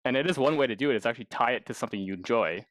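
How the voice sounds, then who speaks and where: A man's voice: medium pitch, animated, racing, a bit bright, no room sound. A man co-hosting a podcast in casual interview chat, eagerly restarting his phrases as he goes. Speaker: podcast co-host. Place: indoors in a house.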